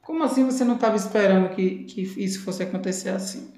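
A woman with a Brazilian Portuguese accent teaching English from a video clip, repeating English phrases slowly and carefully. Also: medium pitch, mellow, reverberant. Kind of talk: language lesson explaining a video clip.

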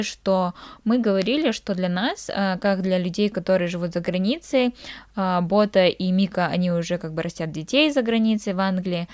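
A woman's voice: medium pitch, a little mellow, dry recording, clean studio sound. A young woman from Kazakhstan co-hosting a podcast, talking casually with frequent hesitant filler sounds. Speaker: podcast co-host. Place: living in England.

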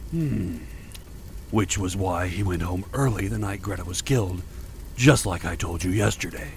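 A man voicing a towering, quick-tempered male blacksmith with a gravelly, growling voice. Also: deep voice, slight background noise. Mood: gruff.

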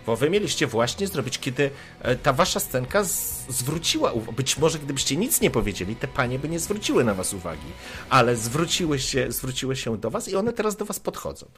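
A man's voice: medium pitch, sing-song, brisk, a bit bright, faint music behind. A man running a tabletop role-playing game as game master, narrating with lots of hesitant fillers.

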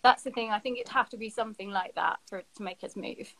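A woman from Sheffield, a jewellery maker guesting on a live stream, talking in a relaxed, friendly way with likes and ums. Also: mid-range voice, fast, poor audio. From Sheffield, England. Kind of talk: casual interview chat. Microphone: video call on a live stream.

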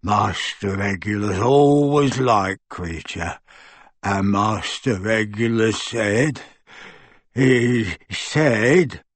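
Kreacher, a man voicing a croaking old house-elf. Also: lowish voice, expressive, dry recording, full character voice. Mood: mournful. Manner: slow, pleading, sobbing in distress. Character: old servile male house-elf, wretched and bitter. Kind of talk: audiobook character voice.

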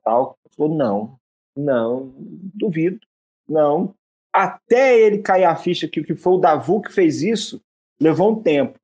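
Halting male history presenter. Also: fairly high pitch, a little mellow. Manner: halting, with many repeated syllables and restarts. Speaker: history show host. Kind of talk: casual spoken history lecture.

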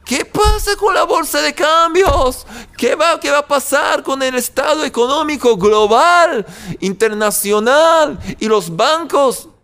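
A man's voice: very high voice, measured pace, pushed and bright, voice pushed up, exaggerated voice. A man voicing an anxious grown man who fires off agitated questions about money and markets. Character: anxious grown man fretting over banks.

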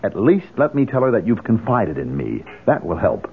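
An actor playing a steady, protective fiancé in a 1970s radio drama, earnest and insistent. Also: male voice, on the low side, moderate pace, heavily acted. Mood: firm, probing. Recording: muffled, husky-sounding old radio broadcast.

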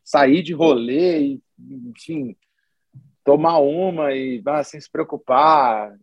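A man's voice: fairly high pitch, takes it slowly, gravelly, dry recording, muffled recording. A man, a musician guest, talking casually in an interview, loose and rambling with lots of slang. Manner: relaxed, rambling, full of slang and restarts.

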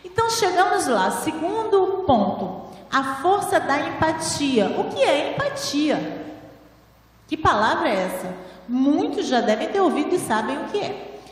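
A woman with a high voice gives a spiritual talk to a seated audience, teaching patiently and asking rhetorical questions. She speaks into a handheld microphone, but her voice arrives from a distance. It is wrapped in the long, booming reverb of a large hall. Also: big pitch swings, unhurried. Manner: didactic, rhetorical questions, frequent "né?". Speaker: lecturer at a spiritual temple. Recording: echoey hall, voice from far off.

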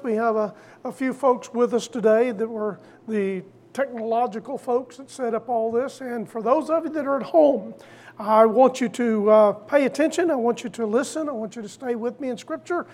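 An older preacher delivering a sermon in a folksy storytelling way, repeating phrases deliberately for emphasis. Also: mid-range voice, darkish tone.

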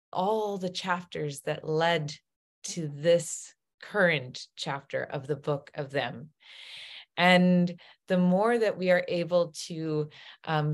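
A woman hosting a podcast in casual chat, emotional and gushing, often filling pauses with um and uh. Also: deep voice. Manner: emotional, gushing, many ums and uhs. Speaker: podcast host.

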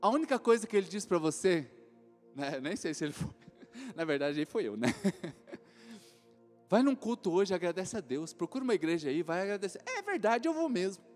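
A man's voice: high-pitched, moderate pace, pauses often, long reverb tail, soft background music. A Brazilian man, a pastor, preaching a sermon, telling funny stories and acting out the voices of the people in them. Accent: Brazilian Portuguese. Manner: animated storytelling, acts out other voices, laughs often. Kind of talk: sermon with acted anecdotes.

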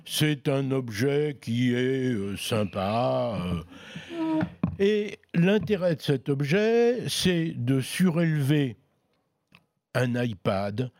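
A man chatting casually on a radio tech show, reviewing gadgets in an unhurried way with many hesitations. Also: mid-range voice, expressive, darkish tone, no room sound, studio quality.

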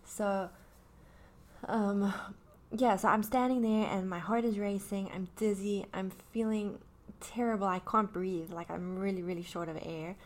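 A woman's voice: medium pitch, fairly even intonation, measured pace. A woman in her early thirties talking candidly about her own anxiety, rambling with many fillers and restarts. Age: 30s. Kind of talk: personal talk about anxiety.

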